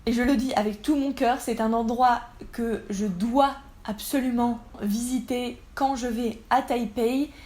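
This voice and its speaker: A woman's voice: fairly high pitch, steady tone, a little slow, few pauses, a little mellow. A young woman narrating a casual travel vlog, chatty and enthusiastic as she gushes about food. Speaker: travel vlogger.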